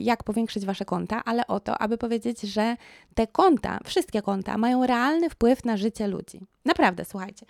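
A hoarse woman with a cold, talking to camera in a lively, ironic way and stretching words for emphasis. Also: fairly high pitch, dry recording, studio quality. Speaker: YouTube vlogger. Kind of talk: casual commentary to camera.

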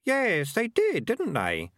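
A man's voice: sits high, wildly swooping pitch, takes it slowly, a bit bright, no echo, studio quality, pitched above the performer's own voice, exaggerated voice. A man voicing a naive, honest young boy who speaks in an earnest, uneasy, questioning way in a storybook.

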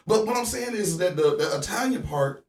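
A man's voice: high voice, lively intonation, moderate pace, recorded from a distance, a crowd in the background. A man co-hosting a podcast, arguing his point in casual chat and repeating himself to be heard. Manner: insistent, argumentative, repeats points. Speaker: podcast co-host. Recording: roomy sound, off-mic.

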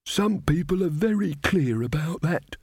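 A man's voice: a little high, expressive, unhurried, vocal fry, a little mellow, husky, dry recording, clean studio sound, pitched above the performer's own voice, heavily acted. A man voicing a mild, cheerful old fairy godmother woman who chats and rambles. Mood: mild, chatty.

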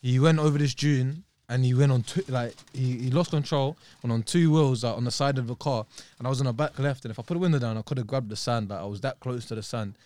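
A man's voice: medium pitch, fast talker, a little mellow. Young London roadman-style man telling stories. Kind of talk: casual chat, telling anecdotes.

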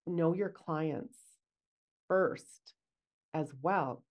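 Low-voiced chatty woman. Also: very slow, highs cut off. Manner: chatty, acts out client dialogue. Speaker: podcast co-host, esthetician. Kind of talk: casual podcast chat.

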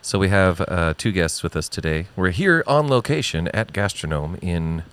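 Male podcast co-host, very low register, casual conversational delivery. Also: lively intonation, normal speed, fairly bright tone. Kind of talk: casual chat. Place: on location at an eatery.

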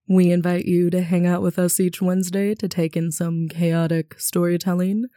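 A woman co-hosting a casual chat podcast, with a husky, stuffy voice from allergies and a gushing, informal way of talking. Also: lowish voice, level tone, measured pace, mellow, no echo, clean studio sound. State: congested from allergies. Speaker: podcast co-host. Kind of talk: casual chat between friends.

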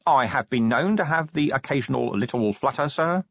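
Man playing a discreet, husky clerk. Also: medium pitch, animated, normal speed, fairly bright tone, no echo, lo-fi sound, voice pushed up, exaggerated voice. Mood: discreet, deferential. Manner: polite, understated, formal. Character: discreet, deferential male clerk.

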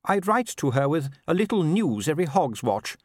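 A man voicing a high-pitched genteel society wife. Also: big pitch swings, moderate pace, dry recording, studio quality. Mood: breezy, gossipy. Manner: chatty, gushing, upper-class turns of phrase. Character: genteel aristocratic middle-aged wife, breezy, fondly reassuring. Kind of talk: audiobook character voice.

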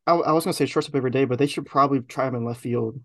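A man's voice: medium pitch, rapid-fire. A man hosting a podcast, chatting casually about a baseball team's week, talking loosely with lots of ums and restarts. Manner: relaxed, rambling with many fillers. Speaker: podcast host. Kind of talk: casual sports chat.

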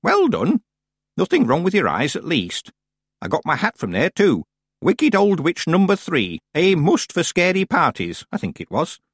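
A man voicing a proud, sly old woman witch in an audiobook, with crisp, dramatic, genteel delivery. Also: a little high, huge pitch swings, normal speed, dry recording, studio quality, voice pushed up, full character voice. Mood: pleased, wry. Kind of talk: audiobook character voice.

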